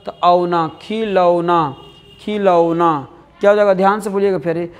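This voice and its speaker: A man's voice: sits high, fairly even intonation, normal speed, highs cut off. A male teacher with a Bihari accent giving an exam-prep lesson. He repeats words over and over and keeps asking his students questions, calling them "dear". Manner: drills answers, repeating words and asking the class.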